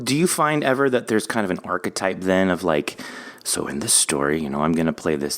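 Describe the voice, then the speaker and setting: A man hosting a podcast in a conversational, enthusiastic interview style. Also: low voice. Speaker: podcast host.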